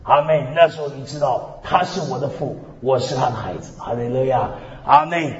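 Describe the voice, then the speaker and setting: A man preaching a sermon with lively storytelling, repeating "hallelujah, amen" again and again, swinging between loud and soft. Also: medium pitch, normal speed. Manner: peppers speech with "hallelujah, amen" refrains. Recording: echoey hall, dull lo-fi sound.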